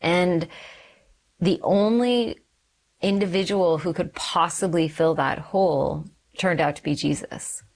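Low-voiced woman giving an earnest testimony. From Canada. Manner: earnest, reflective, measured. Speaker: guest, OB-GYN physician. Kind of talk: faith testimony interview.

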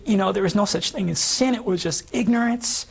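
A Canadian man of around fifty, a guest in an interview, earnestly shares his life story as personal testimony. His hoarse, gravelly, damaged voice sits high, and his speech is halting and full of restarts.

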